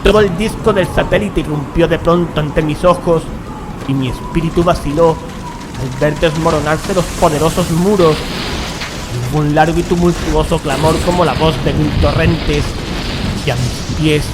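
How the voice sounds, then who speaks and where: An actor playing a horrified gentleman who recounts a gothic tale in solemn, measured, dramatic narration. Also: a little high, background noise, natural voice. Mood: solemn dread. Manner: solemn, literary, measured phrasing. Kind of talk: dramatic scripted horror narration. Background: dramatic music.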